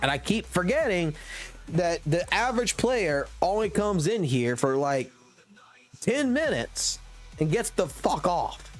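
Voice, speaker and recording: A man's voice: sits high, very animated, unhurried. A man in his thirties ranting profanely and emphatically on a casual gaming livestream, talking into a desk mic at a home streaming setup. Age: 30s.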